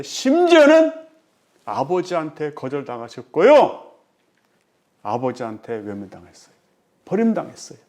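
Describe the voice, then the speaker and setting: A male pastor giving a sermon, driving his points home with rhetorical questions and swinging between loud emphasis and hushed, quiet phrases. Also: fairly high pitch.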